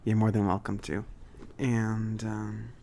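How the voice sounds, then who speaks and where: A man playing a friendly, slightly awkward mage shopkeeper in a soft-spoken, hesitant, casual ASMR roleplay. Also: on the low side, completely flat delivery, slow pace, a little hiss or hum. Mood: accommodating, rambling. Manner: hesitant, rambling, accommodating. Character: friendly, slightly awkward male mage running a magic shop.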